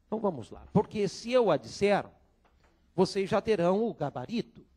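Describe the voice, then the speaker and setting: A man's voice: sits high, very animated, normal speed, mellow. A man teaching Portuguese grammar to law students, drilling them with call-and-response repetition in a filmed lecture room.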